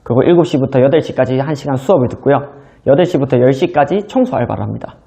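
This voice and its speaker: A man's voice: medium pitch, animated, fast talker, creaky, warm tone. A man in his thirties giving a motivational business lecture, telling his own story in a conversational way. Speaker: business seminar speaker.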